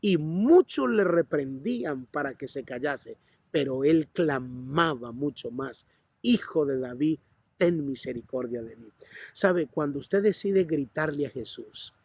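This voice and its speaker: A man's voice: fairly high pitch, darkish tone, slightly rough, no room sound. A man preaching a sermon with a Colombian accent, passionately acting out the cries of the people in his story. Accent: Colombian Spanish. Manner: passionate preaching, acts out bystanders and the blind man's cries. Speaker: pastor. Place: church.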